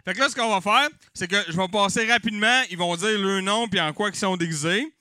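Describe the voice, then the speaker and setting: Québécois guy hosting a comedy night, high bright voice, loud jokey swearing. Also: a little fast, no echo. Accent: Québécois French. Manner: rowdy, swearing, joking with the crowd. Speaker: host of a live comedy night. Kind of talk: improvised stand-up hosting with mock auction. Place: live venue with audience.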